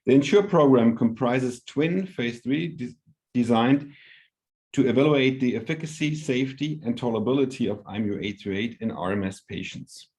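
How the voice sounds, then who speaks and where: A man with a mid-range voice presents a prepared update on an earnings call. He speaks as a company executive, formally and with measured phrasing. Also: mid-range voice, a little mellow, low-quality recording.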